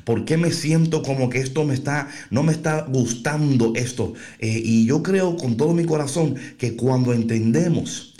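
A man's voice: mid-range voice, normal speed, hardly any pauses, dark tone. A man preaching an informal sermon, folksy and playful, talking straight to his listeners.

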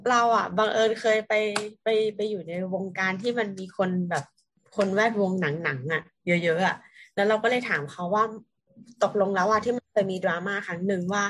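A woman in a casual podcast chat who tells anecdotes at length in a measured way. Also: medium pitch, fairly bright tone, slight background noise.

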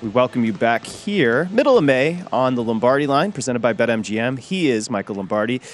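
A man hosting a sports betting radio show, steering the talk in brisk, upbeat banter that swings up and down in pitch. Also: animated, soft background music.

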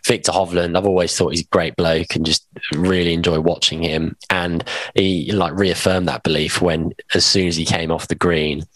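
A man with a deep voice talks sports casually as a podcast co-host. He is chatty and enthusiastic, and the sound is dry and close. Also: level tone, normal speed, no echo.

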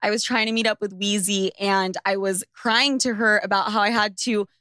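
A woman's voice: mid-range voice, steady tone, moderate pace, pushed and bright, clear, resonant tone, no room sound, studio quality. A young woman with a Valley girl accent, a native Spanish speaker, chatting casually and profanely as a podcast host. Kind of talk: casual chat.

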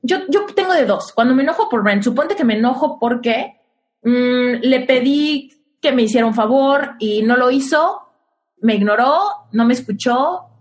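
A frank young Mexican woman talks through relationship advice in a casual, conversational way, often putting questions to her listener. Her voice sits a little higher than most. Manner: frank, uses rhetorical questions. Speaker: podcast host giving relationship advice.

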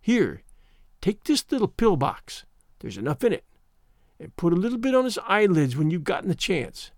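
A man's voice: high-pitched, big pitch swings, normal speed, a little mellow, dry recording, clean studio sound. A man voicing a scheming old woman witch who speaks in a folksy rustic dialect. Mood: knowing.

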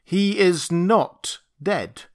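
A man voicing a commanding man who proclaims law to beasts in an audiobook story, declaiming slowly with authority. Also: medium pitch, fairly bright tone, no echo, studio quality, natural voice.

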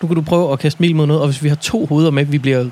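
Confident coaxing player, fairly high voice. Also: male voice, fairly even intonation, mellow. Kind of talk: tabletop role-play in character.

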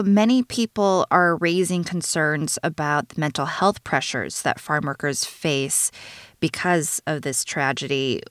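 A woman from the San Francisco Bay Area interviewing a guest in a measured, inquiring way. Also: low-pitched, a bit bright, no echo, studio quality. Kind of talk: radio-style interview.

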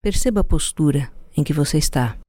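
A Brazilian-accented speaker guiding a meditation in a calm, soothing, unhurried way, leaving pauses between instructions. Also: medium pitch, dry recording, studio quality. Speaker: podcast host guiding a meditation. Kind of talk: slow guided meditation narration.

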